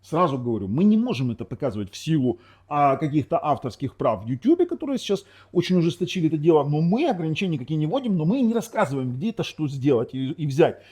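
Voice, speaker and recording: A man whose first language is Ukrainian walks through a TV box demo in a loose, rambling way, stopping to correct himself and to throw in sarcastic asides. His voice is fairly high and mellow, and his pitch swings a lot. He sounds like a casual reviewer talking from home. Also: big pitch swings, fast talker, slightly rough. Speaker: tech reviewer. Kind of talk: casual product demo talk.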